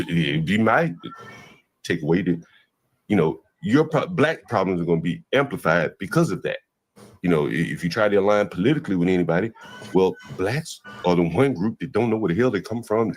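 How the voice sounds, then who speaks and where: A man's voice: low voice, husky. A man in his fifties giving blunt, dismissive commentary, rambling with restarts. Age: 50s. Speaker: commentator reacting to a panel. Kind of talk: opinionated commentary.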